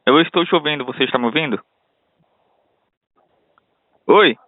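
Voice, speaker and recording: Um homem ligando para o suporte, ouvido por uma linha telefônica fixa, perguntando sem parar se está sendo ouvido. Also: male voice, on the high side, moderate pace, no room sound. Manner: loud, keeps asking if he is heard. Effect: heard over a landline phone line. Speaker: customer calling support. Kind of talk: phone call. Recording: tinny phone line, dry.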